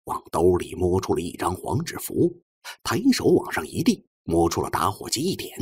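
Husky male narrator, sweeping intonation. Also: fairly low pitch, a bit bright, no echo, studio quality. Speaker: audiobook narrator. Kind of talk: dramatic scripted narration.

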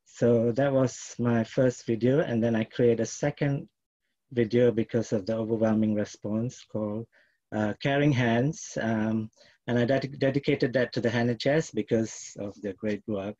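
A middle-aged man from Malaysia, a dancer and choreographer, introducing his work haltingly with many fillers over a video call. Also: mid-range voice, fairly even intonation, mellow. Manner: hesitant, many restarts and fillers. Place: plain room at home. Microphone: laptop webcam on video call. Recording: dull lo-fi video call audio.

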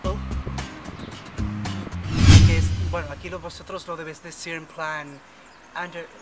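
Playing Estela, a spoiled, vain and chatty rich young woman who's a daddy's girl, a woman boasts bubbly and nonstop with fake foreign-accent bits. Her voice is low and a little slow, with a flat delivery, over background music.

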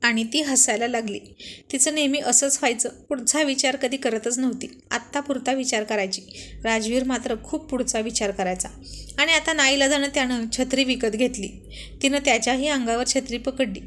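A woman tells a romantic story in a high, lively voice. Her narration is conversational, as if recounting family anecdotes. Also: normal speed, a little hiss or hum.

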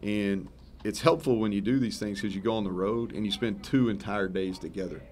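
This thirties-aged head football coach speaks with a fairly low pitch at a fairly quick clip, with a bit of hiss or hum in the background. In a press room with a sponsor backdrop, he answers post-game questions into several table mics, loosely and honestly, correcting himself as he goes in a relaxed way.

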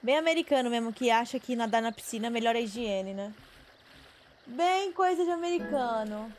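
A woman's voice: a little high, animated, normal speed. A young woman streaming a life-sim game, chatting casually with viewers and telling stories, swearing now and then. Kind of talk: casual gameplay chat with viewers. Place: small bedroom streaming setup, indoors. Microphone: headset mic on webcam stream.

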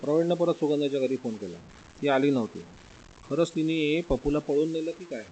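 A man narrating a novel as an audiobook in a steady, even reading voice. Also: on the high side, fairly quick, a little hiss or hum, low-quality recording. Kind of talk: scripted story narration.

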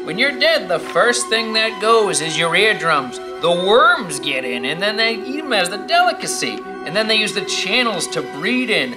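Actor as taunting young man, mocking, lively pitch, staged radio play, music underneath. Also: normal speed, few pauses, rough recording. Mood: spooky, teasing. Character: sarcastic, taunting older brother, young man. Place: theatre stage, live reading. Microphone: stand microphone.

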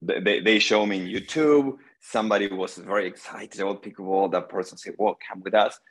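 A middle-aged guest from Argentina, who is a senior professional pickleball player, chats over a laptop webcam from a small room at home during a casual video call interview. His pitch is fairly low. Relaxed storytelling, many pauses and "um"s, and hand gestures mark the way he speaks.

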